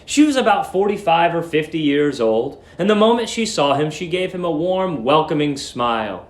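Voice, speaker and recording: A man giving a dramatic narration of a story, theatrical and deliberate in his emphasis. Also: a little high, very animated, roomy sound.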